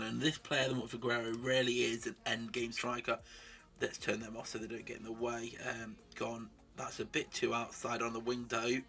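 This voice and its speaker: A young man with a blocked nose talks casually and upbeat as he plays a mobile football game. His tone is bright and forward, with a husky, slightly rough edge. He rattles through stats like a chatty gaming YouTuber. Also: mid-range voice. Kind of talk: casual gameplay commentary.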